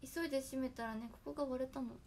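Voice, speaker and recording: A hoarse young woman chatting casually on her livestream, thanking viewers by name for their gifts. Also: high-pitched, steady tone, very fast, darkish tone, slight background noise. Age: young adult. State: hoarse after a nap. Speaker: idol livestreamer.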